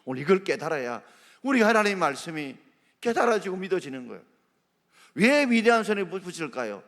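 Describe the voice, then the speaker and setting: A man preaching a sermon as pastor, quoting scripture and asking the congregation questions in an animated way. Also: high voice, fairly quick. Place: church sanctuary. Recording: long church reverb.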